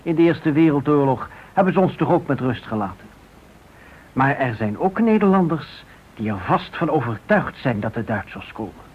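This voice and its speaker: Male narrator, husky, solemn and deliberate; wartime radio play, slightly muffled sound. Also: mid-range voice, big pitch swings. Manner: deliberate, dramatic short phrases. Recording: dull radio recording.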